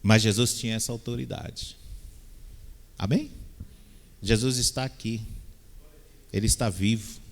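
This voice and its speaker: Brazilian-style preaching man, low voice, church reverb. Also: fairly even intonation, unhurried, gravelly, long pauses. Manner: call-and-response "Amém?" with playful asides. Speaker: pastor. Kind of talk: sermon. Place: church hall. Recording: long reverb of a church hall.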